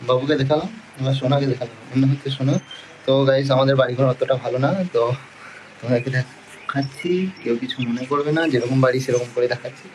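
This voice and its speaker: A man's voice: mid-range voice, level tone, quick pace, a little mellow. A man chatting casually to viewers in a home vlog, talking straight to the camera. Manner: chatty, addresses viewers directly, repeats "to" as filler. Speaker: vlogger. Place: home, indoors and yard. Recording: noisy phone recording.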